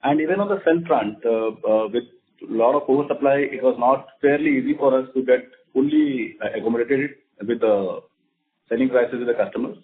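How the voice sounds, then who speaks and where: Through a thin, phone-like line comes an Indian man with a mid-pitched voice. He sounds like a company executive addressing investors, formal and measured in his delivery. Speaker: company executive on an earnings call. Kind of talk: prepared remarks and formal investor answers. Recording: narrow, phone-like conference line.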